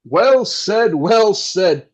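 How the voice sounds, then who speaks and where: A man's voice: high voice, animated, extremely slow, exaggerated voice. A man playing a flustered, melodramatic 1960s New York radio host with theatrical announcer delivery in an audio drama. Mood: gushing, theatrical.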